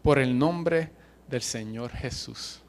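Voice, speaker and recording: A man's voice: mid-range voice, slow. A man with a Puerto Rican accent preaching a sermon, passionate and emphatic, mixing in colloquial slang and humor. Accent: Puerto Rican Spanish. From Puerto Rico.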